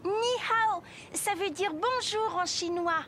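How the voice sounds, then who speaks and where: A woman's voice: very high voice, slow, fairly bright tone, a little hiss or hum, full character voice. A woman voicing a friendly, happy little girl in a children's cartoon. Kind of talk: French-language children's cartoon dialogue.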